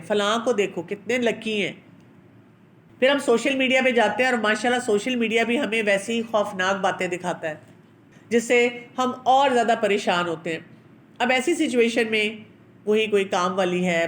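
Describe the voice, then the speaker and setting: A woman giving parenting advice in a calm, measured, teacherly way, posing rhetorical questions and dropping in English terms. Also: medium pitch. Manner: mixes English terms into her speech. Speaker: parenting advisor. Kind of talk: advice talk on parental anger.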